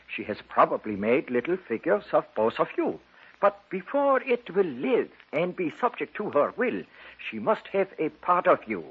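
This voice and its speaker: A man's voice: fairly high pitch, slightly rough, heavily acted. An actor playing a formal, authoritative male occult doctor in a 1950s radio drama, on a dull old broadcast recording.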